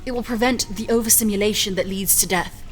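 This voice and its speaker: An actress playing a stubborn, confident scientist in an audio drama, speaking in an assured, articulate, insistent way. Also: female voice, medium pitch, fast talker, faint music behind, lightly acted. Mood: excited, persuasive. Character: driven, stubborn female scientist, defiant and confident. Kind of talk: audio fiction acting.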